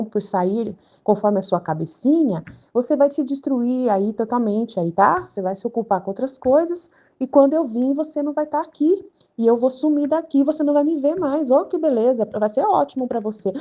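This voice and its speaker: A woman's voice: a little high, lively intonation, normal speed, hardly any pauses, dark tone. A woman doing a bossy scolding male God. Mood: stern, scolding. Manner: bossy, mocking.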